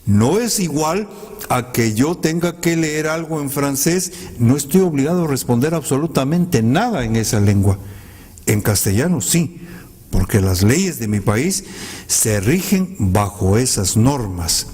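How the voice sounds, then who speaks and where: Slow, reflective man in a reverberant hall. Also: mid-range voice, lively intonation, a little mellow, breathy edge. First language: Mayan language. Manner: measured and thoughtful, polite asides to the audience, occasional hesitant fillers. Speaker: guest poet speaking to an audience. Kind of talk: reflective commented poetry talk. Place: public library hall.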